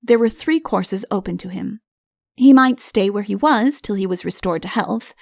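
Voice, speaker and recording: A woman's voice: mid-range voice, animated, normal speed, creaky, darkish tone, no room sound, studio quality. A woman reading a comic fairy tale as an audiobook narrator, in scripted storytelling style.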